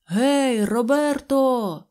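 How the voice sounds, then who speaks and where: A woman's voice: medium pitch, moderate pace, a little mellow, close to an everyday voice. A woman voicing a worried male railway switchman giving urgent orders to his son in an audio fairy tale. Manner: urgent, commanding.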